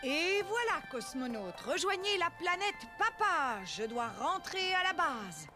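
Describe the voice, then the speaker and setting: A young cartoon mom in a high, swooping voice. She is gentle and imaginative, full of animated encouragement and make-believe, with music in the background. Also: unhurried, heavily acted. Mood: playful. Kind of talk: French-language children's cartoon voice acting. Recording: music behind the voice.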